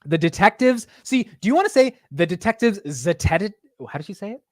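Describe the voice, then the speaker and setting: Animated young man chatting on a livestream. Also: high-pitched, a little fast, no room sound, clean studio sound. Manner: animated, self-mocking, talks to chat. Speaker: livestream host. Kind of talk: casual livestream chat.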